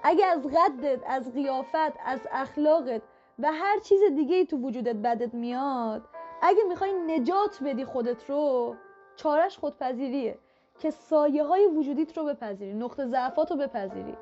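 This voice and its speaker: High-voiced woman giving self-help advice. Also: expressive, darkish tone. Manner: direct, repetitive, coaching tone. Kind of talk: motivational talk to the viewer. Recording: muffled lo-fi audio with faint background music.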